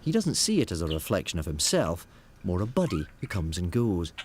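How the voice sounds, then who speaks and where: A man delivers scripted nature narration in a lowish voice. His pitch moves in a lively way, over clearly audible background noise. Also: a little fast. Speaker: documentary narrator.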